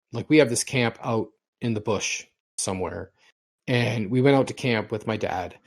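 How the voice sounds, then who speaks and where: Middle-aged male podcast co-host, rambly storyteller, mid-pitched everyday voice. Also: a little mellow. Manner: rambling storyteller, repeats and restarts words. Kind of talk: casual podcast chat.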